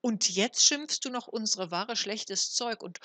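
A woman's voice: on the low side, normal speed, sharp tone, no echo. A woman reading aloud, voicing a bold little boy who scolds in an upset way. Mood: scolding. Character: small indignant boy, bold.

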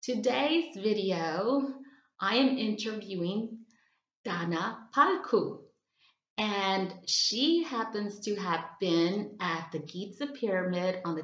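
A woman, an astrology life coach, hosting a video call interview from home, talking slowly with many ums and restarts. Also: medium pitch, a bit bright. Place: room at home, indoors. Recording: echoey, slightly dull video call audio.

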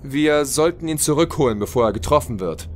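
A man's voice: mid-range voice, animated, a little fast, a little hiss or hum, natural voice. A man playing a friendly, uncertain newly arrived soldier in an audio drama. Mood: concerned.

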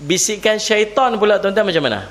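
A male preacher with a Northern Malaysian Malay accent delivers a sermon at a religious gathering. His voice sits a little high. He jokes, laughs easily and keeps tossing questions to the crowd. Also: lively intonation, brisk, a bit bright. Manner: jokey, laughs often, asks the audience questions. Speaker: Islamic preacher. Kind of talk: humorous sermon.

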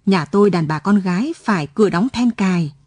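A stern older village mother talks quietly but with a cutting edge, as a woman reader voices her. The tone is mellow and a little husky, with a dry, close sound. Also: medium pitch, brisk, dry recording, lightly acted. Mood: cold reproach.

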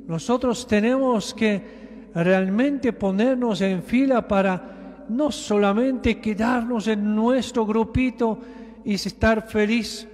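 A man giving a sermon as a bishop, preaching slowly and with emphasis, often repeating words for weight. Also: sits high, darkish tone. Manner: slow, emphatic preaching with repetitions. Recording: long church reverb.

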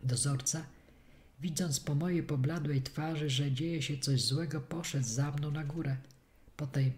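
A woman reading a detective story aloud as a steady first-person audiobook narration. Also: deep voice. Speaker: audiobook reader.

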